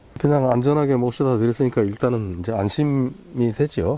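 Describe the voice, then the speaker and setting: Over noticeable background noise, a man talks at a moderate pace in a medium pitch. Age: 70s. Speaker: designated driver. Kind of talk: interview.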